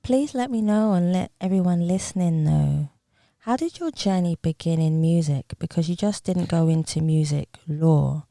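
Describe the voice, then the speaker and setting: A woman's voice: lowish voice, moderate pace, gravelly, dark tone, dry recording, clean studio sound. A woman hosting a podcast, upbeat and effusive, thanking her guest often and asking long questions. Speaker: podcast host.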